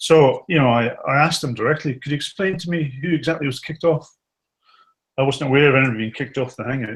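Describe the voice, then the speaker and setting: In a Scottish accent, a man talks at a very fast pace. His voice is somewhat breathy. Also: fairly high pitch for a man, ordinary pitch variation. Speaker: guest on live stream. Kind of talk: casual discussion. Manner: mumbling.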